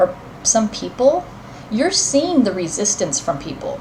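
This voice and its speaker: Over noticeable background noise, a woman talks at a fairly high pitch that makes very wide swings. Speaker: tarot reader. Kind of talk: tarot reading monologue. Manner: hesitant, many fillers.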